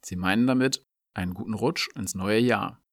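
Man, lesson presenter, calm clear explaining, lowish voice, gravelly. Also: normal speed, dry recording. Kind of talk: scripted explanatory dialogue.

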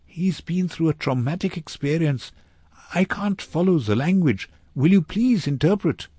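A man narrator acts a concerned, protective woman from a novel, lifted in pitch. The delivery is urgent and caring, with plain, clearly phrased questions and appeals. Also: lively intonation, measured pace, dark tone, dry recording. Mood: urgent, pleading. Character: caring, anxious young woman comforting a distraught child.

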